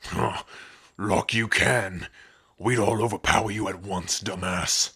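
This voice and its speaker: Man doing a raspy, surly orc gate guard. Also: on the low side, fairly even intonation, takes it slowly, pushed and bright, heavily acted. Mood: mocking. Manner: sneering, blunt. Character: surly, taunting orc gate guard, loyal brother-in-arms. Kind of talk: ASMR roleplay acting.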